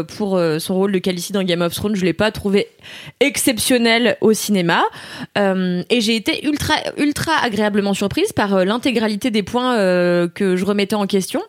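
A woman in her twenties chatting casually about films she recommends, lively, with many fillers and frequent laughs. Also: medium pitch, normal speed, no room sound, studio quality. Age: 20s. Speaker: film reviewer, co-host. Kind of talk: casual chat, film recommendations.

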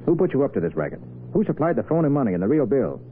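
An actor playing a shrewd, confident private detective, brisk and probing, in a 1940s radio crime drama. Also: male voice, mid-range voice, big pitch swings, narrow, tinny audio, lightly acted. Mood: firm, pressing. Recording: noisy, phone-thin vintage radio recording.

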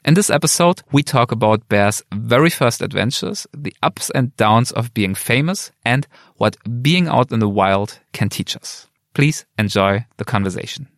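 A man's voice: mid-range voice, animated, moderate pace, few pauses, no room sound, studio quality. A man with a German accent reading a scripted podcast introduction as the host. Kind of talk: scripted narration introducing an episode.

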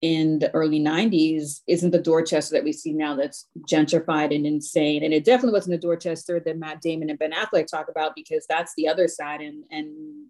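A woman from Haiti speaks as a guest on a podcast, recalling the past in a reflective, halting way. Her voice is somewhat low, and she pauses often with ums and restarts as she gathers her thoughts. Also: flat delivery, mellow, rough recording. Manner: thoughtful, halting recollection with many fillers. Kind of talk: casual chat.

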